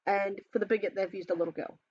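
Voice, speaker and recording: A man's voice: sits high, steady tone, fast talker, darkish tone, dull audio, a little hiss or hum. An Australian trans man with a feminine-sounding voice, ranting casually while reacting to memes, swearing often and rambling between sighs and laughs. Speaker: reaction video host.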